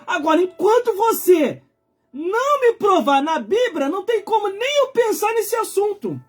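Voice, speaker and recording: Brazilian male livestream preacher, 40s, high-pitched, colloquial and insistent delivery over music. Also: big pitch swings, moderate pace. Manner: emphatic, colloquial, repeats phrases for effect. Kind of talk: informal live sermon.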